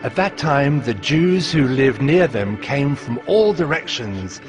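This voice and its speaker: A man's voice: medium pitch, animated, slow. Solemn ancient leader telling his story, earnest and firm, music behind him. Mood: solemn, measured. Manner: solemn, declamatory when addressing the people. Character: Nehemiah, adult male leader, earnest and resolute, narrating. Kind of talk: dramatized scripture narration.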